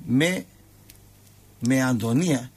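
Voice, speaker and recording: A man's voice: mid-range voice, husky. A man hosting a radio show, telling comic stories and acting out the quotes in shifting voices. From Greece. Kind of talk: comic storytelling chat.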